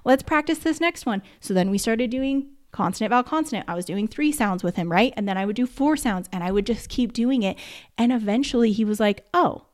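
A first-grade teacher speaks in a podcast monologue, casual and emphatic, saying "like" all the time. Her mid-range voice has a darkish tone and runs a little fast.

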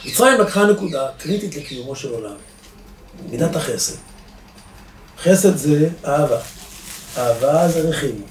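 A man, a rabbi giving a lively Torah lesson to a live audience, asking rhetorical questions and swinging between loud and soft. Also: a little high, long pauses. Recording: echoey room, distant mic, faint noise.

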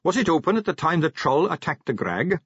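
A man's voice: fairly high pitch, very animated, a little fast, a bit bright, slightly rough, no echo, muffled recording, voice pushed up, heavily acted. A man doing a cheerful, firm young captain.

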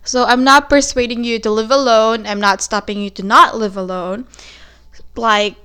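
A woman's voice: a little high, steady tone, moderate pace, pushed and bright, smooth. A young woman with a Filipino accent hosting a casual solo podcast, chatting and switching between Tagalog and English, a little nervous, recorded on a phone in her bedroom. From Philippines. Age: young adult. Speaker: podcast host.

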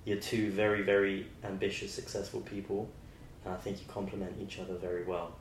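A young man hosting a podcast, his voice very deep and held to a flat, narrow range. He rambles in a friendly way, restarting his sentences often. The recording has a roomy echo with faint noise behind it. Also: a little fast. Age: 20s. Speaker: podcast host. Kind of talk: casual interview chat.

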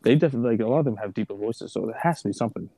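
A man's voice: lowish voice, rapid-fire, mellow, no room sound. A young man in casual chat, musing aloud and asking questions with many fillers.

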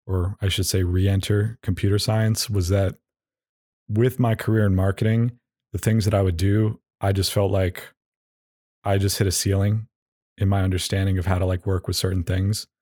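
A man with a fairly low voice hosts a casual solo podcast in a close, dry recording. He rambles in halting phrases, often doubling back on his words. His humor is self-deprecating and a little goofy. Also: flat delivery, dark tone, dry recording. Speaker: podcast host.

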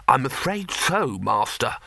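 A man's voice: mid-range voice, big pitch swings, slow pace, gravelly, pushed and bright, no echo, heavily acted. A man voicing a nervous, fussy male university bursar who speaks meekly and deferentially. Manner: meek, fretful, deferential.

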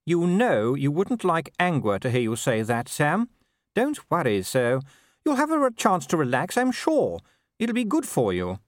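A man's voice: on the high side, huge pitch swings, unhurried, no room sound, studio quality, pitched above the performer's own voice. A man voicing a genteel, chatty upper-class wife with a fond, reassuring manner in an audiobook. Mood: fond, soothing. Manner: chatty, gushing, upper-class turns of phrase. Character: genteel aristocratic middle-aged wife, breezy, fondly reassuring. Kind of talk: audiobook character voice.

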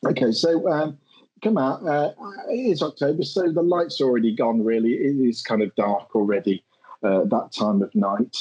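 A man's voice: mid-range voice, normal speed, darkish tone, slightly rough, rough recording. A man running a tabletop game as game master, hesitant and full of ums as he sets the scene. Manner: hesitant, many ums and uhs.

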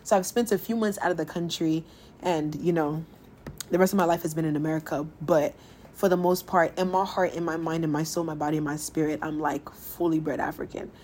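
A woman in her twenties, originally from Ghana, hosts her own podcast and talks about her life in a relaxed, personal way. Her voice sits a little low. She tells stories with energy and raises her pitch when she quotes other people. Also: brisk, slight background noise. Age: 20s. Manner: animated storytelling, laughs often, voices others' lines in higher pitch. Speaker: podcast host. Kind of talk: casual personal monologue.

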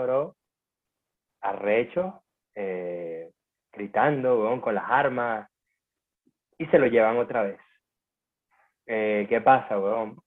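Slangy Venezuelan man, phone-like sound. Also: medium pitch. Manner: slangy, informal. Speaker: guest. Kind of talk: casual storytelling.

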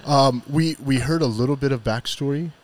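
A man's voice: mid-range voice, moderate pace, crowd noise. A man hosting a podcast on location, chatting casually in a rambling, jokey, informal way. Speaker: podcast host. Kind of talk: casual chat. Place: on location at an eatery.

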